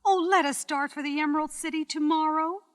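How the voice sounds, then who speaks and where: A woman's voice: high-pitched, steady tone, a little fast, big-room sound, voice pushed up, lightly acted. A woman voicing a plucky, earnest little girl in a storybook, forthright in manner. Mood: eager.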